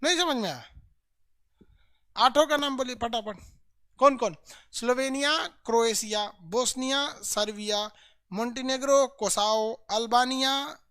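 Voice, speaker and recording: A man teaching an online map lesson, drilling students energetically with loud, rapid repetition. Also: very high voice, clean tone, no room sound, clean studio sound.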